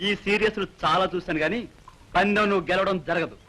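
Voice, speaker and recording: A man's voice: high-pitched, steady tone, quick pace. An actor playing a playful young man who teases his sweetheart in a film scene. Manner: teasing, playful. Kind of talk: 1980s Telugu film dialogue. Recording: film soundtrack with loud music.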